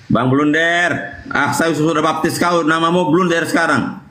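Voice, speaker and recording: A man's voice: a little high, steady tone, normal speed, sharp tone. Teasing man interrupting a debate. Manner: teasing, cuts in on others. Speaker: debate participant. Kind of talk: casual debate chat. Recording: echoey voice chat with faint noise.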